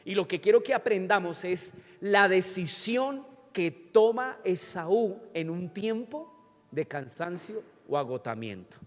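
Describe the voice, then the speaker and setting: High-voiced pastor preaching. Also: male voice. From Colombia. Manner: teaching with frequent questions to the congregation. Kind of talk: sermon. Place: church sanctuary. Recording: church hall reverb with faint music.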